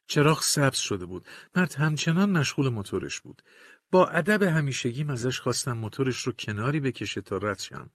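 A man's voice: medium pitch, fairly bright tone, dry recording. Man reading a confessional audiobook. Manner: measured, confessional storytelling in a colloquial voice. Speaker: audiobook narrator. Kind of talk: first-person audiobook reading.

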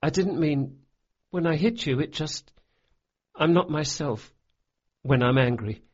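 A man voicing a large, quiet boy who speaks gently and haltingly. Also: fairly high pitch, breathy edge, muffled recording, pitched above the performer's own voice. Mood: sad. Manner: soft, halting and hesitant.

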